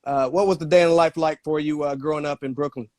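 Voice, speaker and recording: Higher-voiced earnest podcast host. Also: male voice, fairly even intonation, a little mellow, dry recording, clean studio sound. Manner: earnest, halting with many "uh"s. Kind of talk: interview hosting.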